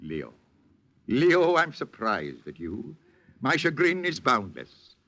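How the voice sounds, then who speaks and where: An actor playing a pompous, grandiose movie studio boss in a 1940s radio drama, talking in lofty words. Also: male voice, medium pitch, wildly swooping pitch, slow, a bit bright, heavily acted. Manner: grandiose, lofty vocabulary, theatrical. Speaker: studio head.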